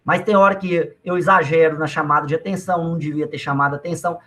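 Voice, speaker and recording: High-voiced man lecturing casually. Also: steady tone, fast talker, fairly bright tone. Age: adult father of young children. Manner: conversational, uses personal anecdotes and frequent asides to students. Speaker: economics lecturer.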